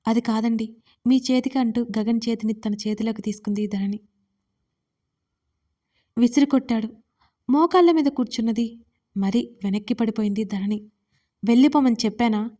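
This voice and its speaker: A woman narrating a romance story in a calm, steady reading voice. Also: a little high, moderate pace, long pauses.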